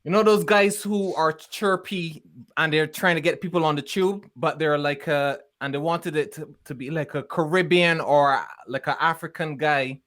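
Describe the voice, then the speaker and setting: A man with a Bajan accent telling anecdotes in casual, animated podcast chat as a comedian on the panel. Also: a little high. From Barbados. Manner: animated storytelling, breaking into laughter.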